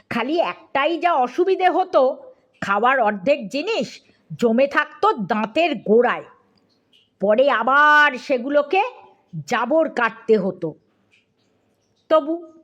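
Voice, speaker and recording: Woman narrator for a funny audiobook story; high, unhurried, playful delivery. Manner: lively, comic, addressing listener.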